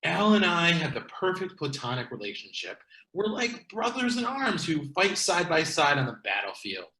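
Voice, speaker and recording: A man's voice: a little high, sing-song, moderate pace, pushed and bright, exaggerated voice. A man playing a goofy, pun-loving, sincere repair-shop boss in a comedy table read, theatrical and jokey. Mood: defensive, earnest. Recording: echoey room sound.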